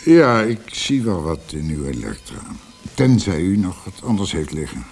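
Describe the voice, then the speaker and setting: An actor playing a blunt, jovial middle-aged composer in a radio drama, with a halting, teasing delivery. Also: male voice, low-pitched, sing-song, a little mellow, faint music behind. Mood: bargaining.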